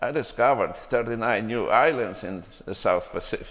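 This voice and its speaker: A man with a non-native accent, amid audible room echo. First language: Polish. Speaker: doctor and cancer researcher. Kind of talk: conference talk. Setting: stage with audience.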